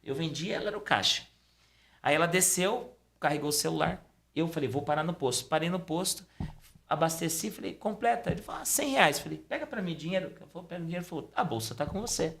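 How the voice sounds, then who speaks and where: A man's voice: fast, gravelly. A middle-aged man, a podcast guest telling a personal story casually and acting out the dialogue. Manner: animated storytelling, acting out dialogue with pitch swings. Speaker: podcast guest, Umbanda priest.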